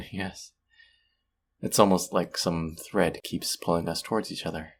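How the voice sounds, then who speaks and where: A man playing a sweet, smitten stranger in an intimate romantic audio roleplay, speaking softly and hesitantly in a husky, gravelly voice. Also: low voice, steady tone. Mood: flirty, smitten. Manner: soft, hesitant, tender, with pauses.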